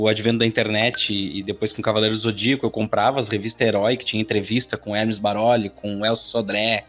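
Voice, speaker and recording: Casual man in his thirties over music. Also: lowish voice. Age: 30s. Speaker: interview guest, aspiring voice actor. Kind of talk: casual interview answers.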